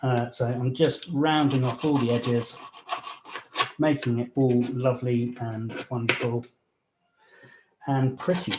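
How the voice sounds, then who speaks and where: A young man from Nigeria talks through his jewellery work as he files and sands at the bench, relaxed and unhurried, with plenty of ums and restarts. His voice sits at an ordinary middle pitch. The small workshop is echoey, with a faint hiss and the clicks of tools behind him. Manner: relaxed, hesitant, many fillers, talks while working. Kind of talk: live demonstration with interview answers.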